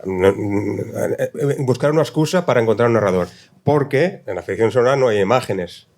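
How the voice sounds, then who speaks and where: Halting man in a panel discussion, middling pitch. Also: animated, creaky, a little mellow. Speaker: scriptwriter on a panel.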